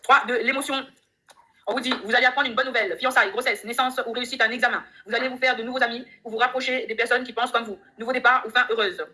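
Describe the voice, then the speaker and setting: A fast-talking woman reads tarot cards live from her home and talks straight to her viewers. Her voice is bright and a little high, and she keeps the tone chatty and upbeat. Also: steady tone. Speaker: tarot reader on a live stream. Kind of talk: live tarot reading chat.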